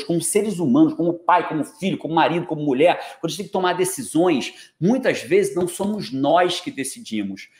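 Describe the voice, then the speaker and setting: A Brazilian man in his forties coaches a live online audience with a lively, bouncing voice that sits a little high. He jokes, drops slang and keeps checking in with his listeners. The sound carries the echo of a reverberant room. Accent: Brazilian Portuguese. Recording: echoey room.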